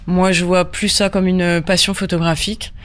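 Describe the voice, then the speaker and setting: A woman from Normandy, a photographer guest in a radio interview, who talks in a halting way with many fillers and restarts. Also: lowish voice, flat delivery. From Normandy, France.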